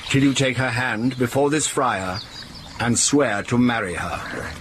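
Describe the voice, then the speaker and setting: A man playing a genial older father of the bride in a classic stage comedy, speaking in a measured, fatherly way. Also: medium pitch, noisy background, lightly acted.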